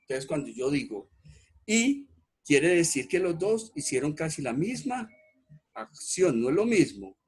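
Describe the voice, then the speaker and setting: A man's voice: a little high, big pitch swings, unhurried, darkish tone, slightly rough. A man teaching an online grammar class, stressing key words, repeating himself and checking that the students follow.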